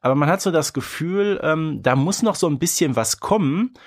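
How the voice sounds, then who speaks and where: A man's voice: fairly high pitch, animated, moderate pace. A man co-hosting a podcast, chatting casually as he recaps, often tagging questions onto his sentences. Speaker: podcast co-host.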